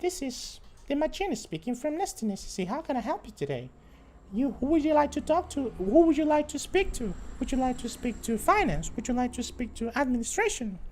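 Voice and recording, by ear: Through clear background noise comes a squeaky, high-pitched put-on character voice at a fairly quick pace.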